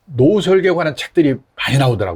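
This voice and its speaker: With a somewhat breathy voice, a man speaks at a fairly quick pace. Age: 70s. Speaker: retirement planning expert. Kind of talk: interview. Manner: conversational, with some halting repetitions.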